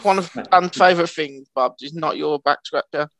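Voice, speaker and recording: A man's voice: fairly high pitch, moderate pace, gravelly, a bit bright, poor audio. A man co-hosting a podcast, rambling and swearing casually in casual banter. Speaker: podcast co-host.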